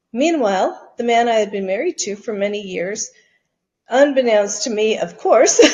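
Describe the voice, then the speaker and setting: A woman's normal speaking voice, fairly high in pitch, with lively intonation and a moderate pace. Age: 60s. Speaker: author. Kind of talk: interview.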